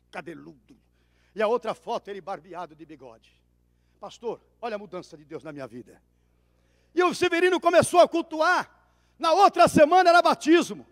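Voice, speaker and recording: A man preaching as a pastor, telling a story and acting out the dialogue, swinging from hushed asides to shouts. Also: high-pitched, no echo, studio quality, long reverb tail. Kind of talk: sermon storytelling. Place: church service.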